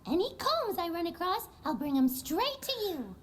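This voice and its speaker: High, excitable little cartoon bee. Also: female voice, normal speed, a little hiss or hum. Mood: chirpy, eager. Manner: chirpy, literal-minded, excitable. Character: eager, scatterbrained cartoon child bee detective.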